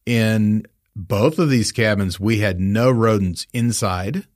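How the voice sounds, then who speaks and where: A man's voice: on the low side, slow pace, no echo, clean studio sound. A man co-hosting a podcast, chatting casually with a wry, teasing humor. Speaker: podcast co-host. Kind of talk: casual chat.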